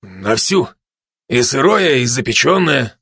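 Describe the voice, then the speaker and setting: A man voicing a calm, serious male special-forces dog who explains things patiently. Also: medium pitch, slow, gravelly, slightly rough, no room sound, clean studio sound, full character voice. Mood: matter-of-fact.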